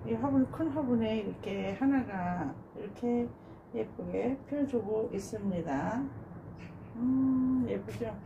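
A woman's voice: a little high, takes it slowly, highs cut off, background noise. Gushing woman showing off her balcony flowers. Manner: gushing and admiring, with soft sighs. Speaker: gardening vlogger. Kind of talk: casual narration while showing plants. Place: home balcony garden.

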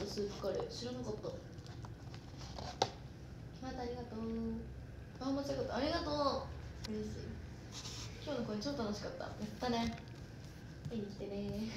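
Woman, chatty livestream talk, fairly high voice, echoey room, noisy background. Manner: chatty, reads out viewer comments. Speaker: idol trainee livestreaming. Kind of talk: casual chat. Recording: echoey room with noticeable noise.

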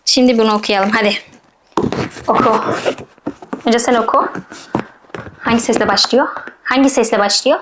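Birinci sınıf öğrencilerine hecelere bölerek okuma öğreten bir kadın öğretmen; sesleri tek tek tekrar ediyor ve çocuğu nazikçe yüreklendiriyor. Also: female voice, a little high, fairly even intonation, normal speed, pauses often, background noise. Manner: patient, sounds out syllables and repeats them many times; gentle, coaxing, talks straight to the child. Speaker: primary school teacher. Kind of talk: slow phonics reading lesson for first graders.

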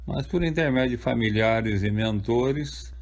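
An older Brazilian man speaks in a calm, explanatory way with a gravelly, creaky edge to his voice. His pitch sits in an ordinary middle range for a man, and he answers questions as an author. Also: unhurried. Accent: Brazilian Portuguese. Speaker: author interviewed. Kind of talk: measured spoken answers.

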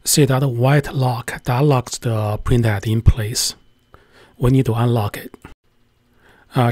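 A tech channel host walks through a casual tutorial, sounding chatty and hesitant with plenty of filler sounds. His middle-pitched voice is a little mellow, and the recording is dry and close with no room echo.

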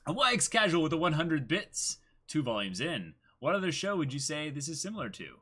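A man's voice: fairly high pitch, big pitch swings, a little fast, sharp tone. A man in his twenties chatting casually as co-host of a livestream. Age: 20s. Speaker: streamer and co-host. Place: small room, indoors.

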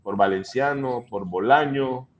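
A man's voice: mid-range voice, unhurried. A man on a video call talk show, blunt and opinionated. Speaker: panelist. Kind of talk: casual talk show banter.

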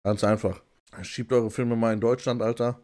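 A man's voice: mid-range voice, little pitch movement, moderate pace, darkish tone. Laid-back slangy male streamer. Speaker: streamer reacting to clips. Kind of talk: casual reaction commentary. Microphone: desktop condenser mic.

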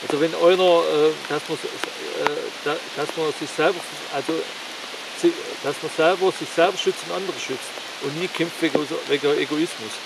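Man, casual halting vlog talk, forest outdoors, far from the mic, hiss of rain. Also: steady tone, gravelly. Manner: rambling, halting with many fillers; louder and higher while demonstrating strikes. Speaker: martial arts YouTuber. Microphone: camera on the ground, several meters off.

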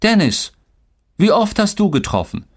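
A man's voice: sits high, big pitch swings, a little slow, husky, pitched above the performer's own voice, exaggerated voice. A man voicing a stern, reproachful mother in an audiobook story. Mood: questioning. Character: mother, stern middle-aged woman.

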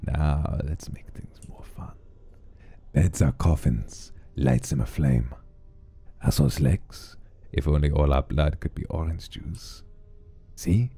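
A man's voice: a bass voice, warm tone, breathy edge, faint music behind, exaggerated voice. A man doing a creepy smiling spirit with a German accent. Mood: gleefully macabre. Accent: put-on German. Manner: slow, theatrical, relishing macabre lines. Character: creepy cheerful spirit obsessed with smiles. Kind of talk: reading game dialogue aloud.

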